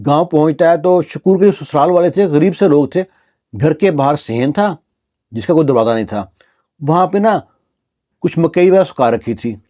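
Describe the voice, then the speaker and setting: A male storyteller narrates a village story in a chatty, meandering way. He uses plenty of fillers and restarts. His voice is mellow and sits a bit high. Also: animated. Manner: conversational, repeats fillers.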